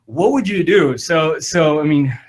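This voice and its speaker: A man's voice: on the high side, animated, unhurried. A man hosting a podcast, telling a rambling funny story with lots of repeated words and laughter. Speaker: podcast host. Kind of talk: casual storytelling.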